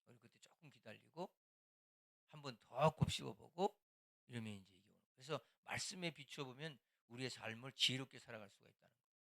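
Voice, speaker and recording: Speaking fast in a gravelly, fairly bright mid-range voice, an older male pastor coaches small-group leaders from his church in a relaxed, conversational preaching style. Every so often he performs scolding quotes as if speaking them to someone.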